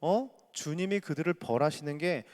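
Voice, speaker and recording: A man's voice: on the high side, moderate pace, darkish tone, close to an everyday voice. A man voicing Bildad, a self-righteous male friend who lectures bluntly and rudely. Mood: harsh. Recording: echoey church hall.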